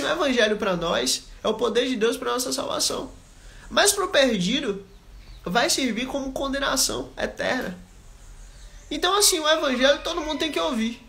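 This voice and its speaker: A man's voice: very high-pitched, gravelly, pushed and bright. A man preaching a live Bible study, talking directly to his listeners and repeating his points with emphasis. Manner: repetitive, emphatic exhortation; conversational, addresses listeners directly.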